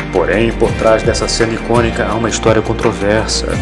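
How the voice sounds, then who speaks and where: Background music is audible. Over it, a man speaks at a moderate tempo. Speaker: voice-over narrator. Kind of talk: entertainment news narration.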